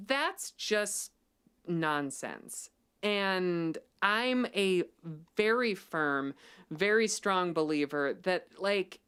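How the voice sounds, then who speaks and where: A woman hosts a relaxed livestream and talks in a chatty way with lots of ums. Her voice sits fairly low and sounds smooth and clear, and she turns firm and emphatic when she pushes a point. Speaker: livestream host. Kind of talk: casual livestream chat.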